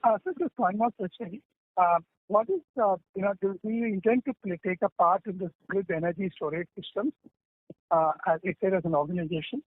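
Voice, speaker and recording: A man's voice: high voice, brisk, dry recording. A man with an Indian accent asking analyst questions on an earnings call, hesitant and often rephrasing. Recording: thin telephone line.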